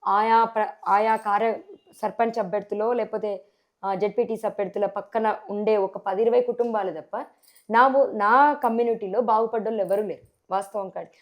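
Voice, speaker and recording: A woman with a Telangana Telugu accent, a sarpanch candidate answering in a TV interview, forceful and full of rhetorical questions. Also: mid-range voice, steady tone, normal speed, muffled recording.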